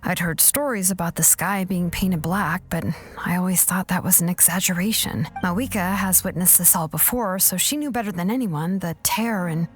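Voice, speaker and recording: A woman's voice: fairly low pitch, faint music behind, lightly acted. A woman playing a weary but determined young tribal warrior in a video game, speaking earnestly. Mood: grave. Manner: earnest, halting when shaken.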